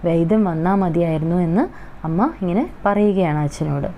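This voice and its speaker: A woman with a Malayali accent teaching a Hindi school lesson, slowly reading each line and then explaining it. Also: lowish voice, muffled recording, slight background noise.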